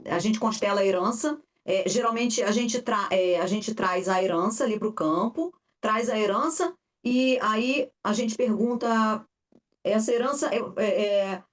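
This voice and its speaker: A woman facilitator giving an informal teaching talk, animated and full of fillers, often acting out her clients' voices. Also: medium pitch, unhurried. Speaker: family constellation facilitator. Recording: voice distant from the mic.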